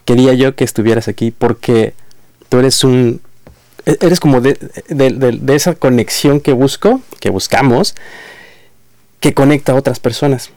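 A man's voice: medium pitch, normal speed, darkish tone, no echo, clean studio sound. A man hosting a community program, speaking effusively and often repeating words as he searches for the next one. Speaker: host.

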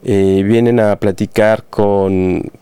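A man's voice: lowish voice, fairly even intonation, takes it slowly, warm tone, clean tone, no room sound. A man hosting a casual community radio show, chatty and friendly, announcing local events with many fillers and restarts.

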